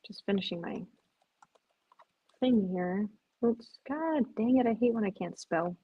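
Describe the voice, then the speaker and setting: A woman's voice: mid-range voice, lively intonation, measured pace, breathy edge, highs cut off. A woman hosting a live stream, chatting casually with viewers, sounding tired and rambling. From Chicago area. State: drowsy, yawning.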